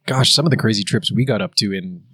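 Rambling Canadian man on a husky, dry mic. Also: on the low side, quick pace, pushed and bright, dry recording. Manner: rambling, many fillers and restarts. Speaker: podcast co-host. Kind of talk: casual chat.

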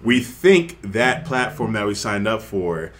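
A man co-hosting a casual podcast, loud and excitable, swearing and laughing often. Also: lowish voice, measured pace, background noise. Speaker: podcast co-host. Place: room with others around a table.

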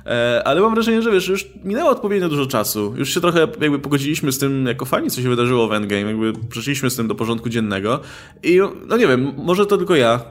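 Podcast co-host, male, casual and halting delivery, mid-range voice. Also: medium pitch, lively intonation. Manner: hesitant, many fillers and restarts. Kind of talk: casual film discussion.

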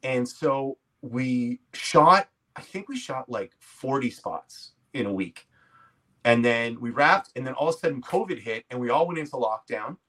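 A man's voice: mid-range voice, expressive, a little slow, bright, forceful tone, low-quality recording. Canadian man in his forties telling stories casually. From Quebec, Canada. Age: 40s. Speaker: podcast guest, comedy actor and writer. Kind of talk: casual conversational storytelling.

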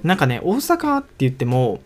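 A young man from Osaka with a Kansai accent, co-hosting a casual couple podcast in a relaxed, rambling way with lots of fillers. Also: a little high, moderate pace, soft background music. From Osaka, Japan. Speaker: podcast co-host.

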